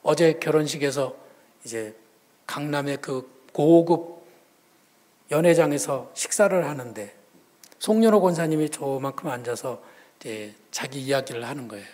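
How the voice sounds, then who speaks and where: A male pastor preaching a sermon in a conversational storytelling manner, his voice swinging between loud and hushed. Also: on the high side, normal speed.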